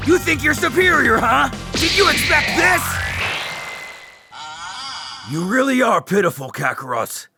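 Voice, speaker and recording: Man doing a high, cocky cartoon alien warrior. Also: big pitch swings, a little slow, long pauses, loud music behind the voice, exaggerated voice. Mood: smug, scornful. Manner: sneering, combative. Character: cocky, taunting male alien warrior in battle. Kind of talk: cartoon fight voice acting.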